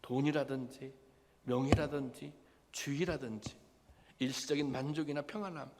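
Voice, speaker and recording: Pastor preaching in an echoing church. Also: male voice, medium pitch, fairly even intonation, moderate pace, very noisy. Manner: asks the congregation many rhetorical questions; acts out quoted lines in a plain conversational voice. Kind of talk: sermon. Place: church sanctuary. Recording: long hall reverb.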